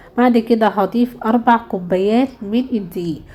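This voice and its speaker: Somewhat breathy and dark, mellow in tone, a woman's fairly high voice moves at a moderate pace with fairly even intonation. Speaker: cooking channel host. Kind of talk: cooking tutorial voiceover. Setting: voiceover narration.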